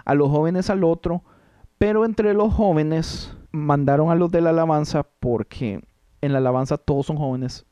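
Costa rican guy, 30s, slangy joking podcast chat, kinda high voice, dead dry mic. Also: normal speed, smooth, no echo. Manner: animated, slangy, self-mocking. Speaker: podcast co-host, worship leader. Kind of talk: casual chat.

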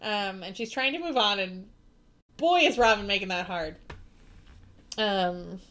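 A woman's voice: medium pitch, unhurried, fairly bright tone. A woman co-hosting a podcast, chatting casually about a TV episode, easygoing and agreeable, rambling with fillers. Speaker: podcast co-host. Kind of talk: casual chat recapping a TV episode.

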